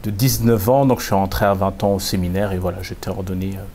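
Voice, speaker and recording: Middle-aged french priest, lowish voice, lots of uh and repeats, faint rumble behind. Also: male voice, steady tone, dark tone. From France. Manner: halting, repeats words, many fillers. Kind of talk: personal testimony in an interview.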